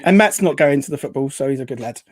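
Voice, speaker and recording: Host doing a casual live chat, rambly and upbeat, mid pitch, dry close sound. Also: lively intonation, fast, no room sound. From Essex, England. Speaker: show host. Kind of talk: casual live chat hosting, reading out viewer comments.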